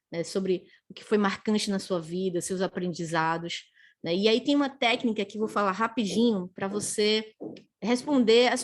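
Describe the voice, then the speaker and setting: A woman giving a live online career talk, chatting to viewers and tagging her phrases with a questioning "né?". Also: medium pitch. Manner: chatty, tags nearly every phrase with a questioning "né?"; reads and answers viewer comments as she goes. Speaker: career speaker.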